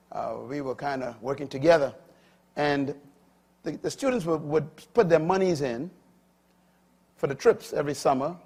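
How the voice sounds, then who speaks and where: An older man preaching a sermon, swinging from loud emphatic peaks to quiet low asides.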